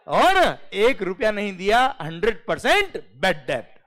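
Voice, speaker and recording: A man's voice: high voice, big pitch swings, a little slow, a bit bright. A middle-aged man teaching a class, telling a story and acting out its dialogue.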